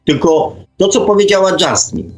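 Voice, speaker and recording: A man's voice: sits high, very animated, moderate pace, soft background music. A man in an informal radio discussion, explaining his points and checking them with short question tags. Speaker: talk show participant.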